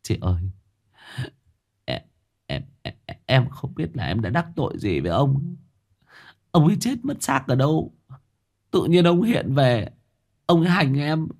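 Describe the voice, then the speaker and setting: A man's voice: mid-range voice, very animated, measured pace, creaky, pauses often, darkish tone, pitched above the performer's own voice, full character voice. A man doing a wailing, panicked young man. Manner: wailing, stammering. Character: panicked young man, whimpering to a spirit medium.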